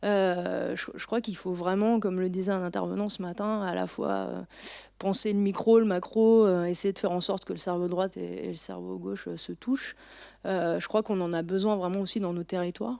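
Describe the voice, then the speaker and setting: The very clean recording, with a silent background, captures a woman talking at a moderate pace. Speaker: hospital public service manager. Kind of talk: panel discussion. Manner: halting.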